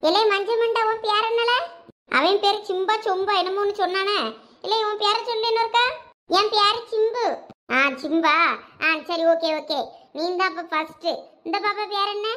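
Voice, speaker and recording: A woman with a Thoothukudi Tamil accent voicing village women in a cartoon, full of lively scolding banter. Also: very high voice, normal speed. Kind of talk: cartoon voice acting.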